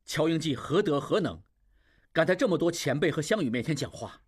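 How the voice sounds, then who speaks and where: A man voicing an earnest young merchant leader who speaks with deep feeling, his voice high and husky. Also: lively intonation, a little fast. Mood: moved. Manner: earnest, heartfelt.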